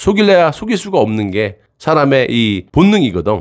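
The man sounds animated, with very wide pitch swings at a fairly slow pace. The background is quiet. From South Korea. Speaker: political YouTuber. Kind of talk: political commentary monologue. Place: studio. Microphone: studio mic.

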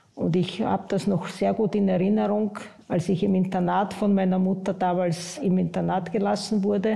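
A woman talks at a moderate pace in a flat monotone. Her loudness stays very even. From southern Burgenland, Austria. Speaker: former teacher, school inspector and regional politician. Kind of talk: interview answer. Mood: reflective, calm recollection. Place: hall. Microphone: lapel.

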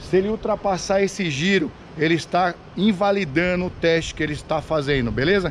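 A man's high-pitched voice with ordinary pitch variation and light background noise. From Brazil. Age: 40s. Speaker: exhaust company owner. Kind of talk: product demo video. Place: street. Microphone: phone near.

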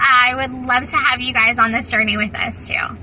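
Over light background noise, a woman speaks in a raised, projected voice. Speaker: vlogger. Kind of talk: casual vlog chat. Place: car. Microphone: phone near.

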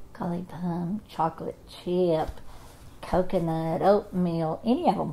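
Somewhat breathy and dark, mellow in tone, a woman speaks with an Appalachian accent. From East Tennessee. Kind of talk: interview answer.

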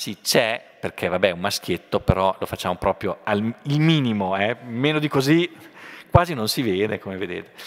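Against a quiet background, a man with a fairly low pitch speaks at a moderate pace with lively intonation. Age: 40s. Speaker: art history lecturer. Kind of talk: lecture. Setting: lecture hall with audience. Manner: halting, many fillers. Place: hall.

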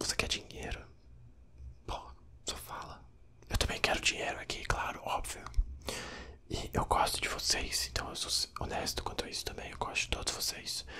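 Whispering, a man speaks at a moderate pace with long, frequent pauses. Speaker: ASMR channel creator. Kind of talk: casual vlog chat. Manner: close intimate whisper into recorder. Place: home room. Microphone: handheld.

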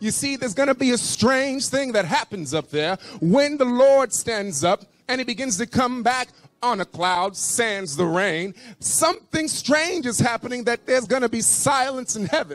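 A man speaks at an extremely high pitch with lively intonation. His tone is animated and his pace moderate. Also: dry, close sound with no echo. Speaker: preacher. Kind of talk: sermon. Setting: church. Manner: fervent, pleading.

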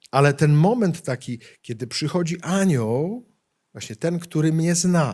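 Against a quiet background, a man with a dark, mellow tone and lively intonation speaks at a fairly slow pace. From Poland, Ostrowiec Świętokrzyski; Poland. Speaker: Dominican friar giving a Bible course talk; preacher giving a Bible course talk. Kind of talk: conference talk on the Bible. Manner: conversational, informal. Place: hall. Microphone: handheld.

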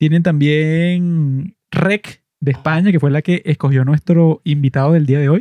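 A man with a fairly high pitch and a dark, mellow tone speaks at a fairly slow pace with hardly any pauses. His intonation is fairly even, his loudness very even, and the sound dry and close with no echo. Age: 20s. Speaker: podcast host. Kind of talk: casual chat.

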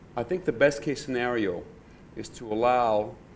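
Over light background noise, a man with a Canadian accent speaks at a fairly slow pace. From Canada. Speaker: government official. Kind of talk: panel discussion. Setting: conference room. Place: meeting room.

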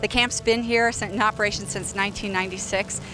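Clear music plays behind the speaker. She is a woman talking. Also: dry sound with no echo. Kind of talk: interview answer. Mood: cheerful, grateful. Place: open country. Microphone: handheld.

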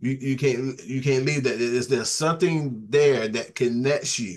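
This man talks at a moderate pace with a medium pitch and ordinary pitch variation, an ordinary speaking voice. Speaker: church elder. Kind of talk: prayer. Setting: video call.

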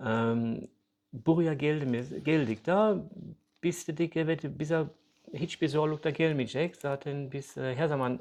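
A man talks fairly slowly at a fairly high pitch, with ordinary pitch variation. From Germany, rural. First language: German (speaking Turkish). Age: 50s. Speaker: German expat, former boat tourism operator. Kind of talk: interview. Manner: halting, many fillers.

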